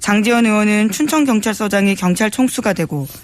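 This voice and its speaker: A woman with a medium pitch speaks at a fairly quick pace with lively intonation. She has an unremarkable speaking voice. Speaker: news magazine reporter. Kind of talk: news briefing.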